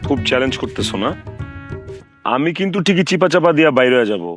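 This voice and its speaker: Rich: A man doing a flustered visitor who stammers and pleads his way through excuses. His voice is quick and a little high, with music running behind it. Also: expressive, lightly acted. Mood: pleading.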